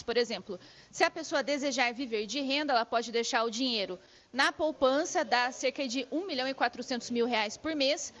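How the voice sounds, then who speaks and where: Middle-aged woman reporter, high voice, chatty live hit from a shop, dull broadcast audio. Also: a bit bright. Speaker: field reporter. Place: lottery shop indoors. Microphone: handheld mic. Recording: muffled broadcast field audio.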